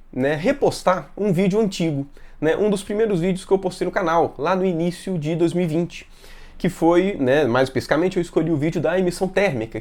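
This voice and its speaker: A Brazilian man hosting a science channel talks casually and haltingly, sick with a sore throat and fever, often adding tag questions. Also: fairly high pitch, darkish tone. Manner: repeatedly adds "né" tags, halting. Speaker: science video host. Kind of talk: casual talk to camera.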